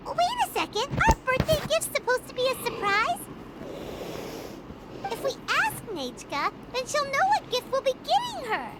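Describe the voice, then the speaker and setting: A woman voicing a tiny, fussy, childlike fairy companion in a video game, with a squeaky voice. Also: wildly swooping pitch, moderate pace, very noisy, heavily acted. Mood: puzzled, concerned. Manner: speaks of herself in third person, exclamatory.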